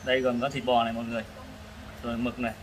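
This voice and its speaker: Halting man reviewing food, noisy eatery. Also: medium pitch, completely flat delivery. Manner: halting, with hesitations and repeats. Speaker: food vlog host. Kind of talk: casual food review while eating. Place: open-air casual restaurant. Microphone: camera across the table. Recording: noisy eatery ambience, traffic.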